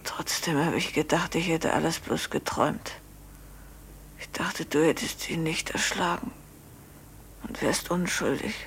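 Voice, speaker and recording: A slow, haunted innkeeper's wife. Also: female voice, low voice, a little hiss or hum. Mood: haunted, hushed. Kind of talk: German radio play acting.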